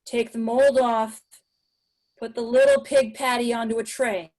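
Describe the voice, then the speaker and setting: A woman's voice: a little high, very animated, measured pace, gravelly, a little mellow, exaggerated voice, poor audio. A woman playing a sleazy, bossy male burger-joint boss in a film script table read, talking bluntly. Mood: brisk, bossy. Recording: online video call table read.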